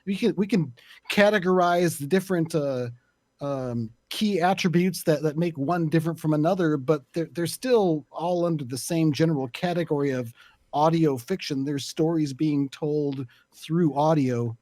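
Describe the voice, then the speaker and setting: A man in a casual panel discussion, speaking in a halting, thoughtful and opinionated way. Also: a little high, a little mellow, no echo. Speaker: podcast panelist.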